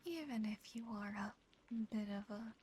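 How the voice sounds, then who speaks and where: A woman voicing an affectionate, possessive female demon in a soothing, intimate, softly teasing whisper for an ASMR roleplay. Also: mid-range voice, moderate pace, natural voice. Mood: possessive, tender. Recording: close whisper over clear background noise.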